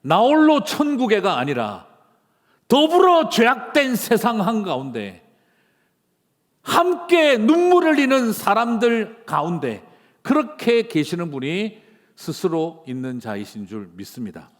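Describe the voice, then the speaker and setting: A man's voice: high-pitched, huge pitch swings, a little slow, in a large hall. A male pastor delivering an impassioned sermon with rising emphatic phrases. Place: church sanctuary.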